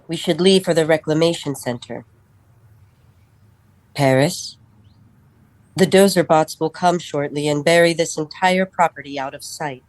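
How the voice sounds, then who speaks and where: An actress voicing a calm, literal-minded female android who served as a household steward, speaking in a measured, matter-of-fact way. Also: low-pitched, dry recording, poor audio. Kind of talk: radio drama acting.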